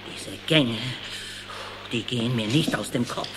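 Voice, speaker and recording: A man's voice: mid-range voice, a little slow, noisy background, close to an everyday voice. An actor playing an anxious, easily frightened male worm in a children's audio drama, fretful and dramatic. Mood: worried.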